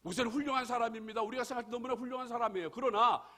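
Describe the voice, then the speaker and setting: A man's voice: extremely high pitch, very fast, pushed and bright. A male pastor preaching a sermon, emphatic and full of rhetorical questions to the congregation.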